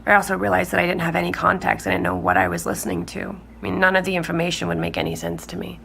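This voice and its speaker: An actress playing a woman who recounts her discovery in halting, natural speech in an audio drama. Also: fairly low pitch, very animated, gravelly, fairly bright tone, full character voice. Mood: uneasy. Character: shaken woman recounting her grandfather's secret tapes. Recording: faint background noise.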